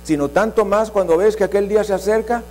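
A male pastor with a Mexican Spanish accent preaches a sermon in a high, mellow voice. He speaks straight to his congregation and comes back again and again to the same verse. A low electrical hum sits under the recording. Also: fast. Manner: preaching, repeats key verse, addresses congregation directly.

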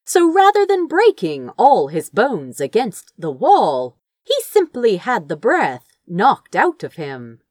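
A woman reading fiction aloud as an expressive, theatrical narrator with deliberate phrasing. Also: medium pitch, no room sound, clean studio sound. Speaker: audiobook reader of fan fiction. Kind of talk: expressive dramatic scripted narration.

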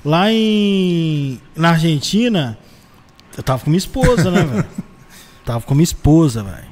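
A man's voice: sits high, big-room sound. A man in casual chat, joking and swearing freely.

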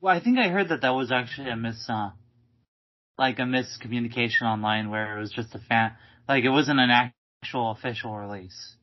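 A man's voice: mid-range voice, fairly quick. Rambling man, many likes, lo-fi audio. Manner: hesitant, full of likes and restarts. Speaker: podcast co-host. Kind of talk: casual chat. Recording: dull lo-fi podcast audio.

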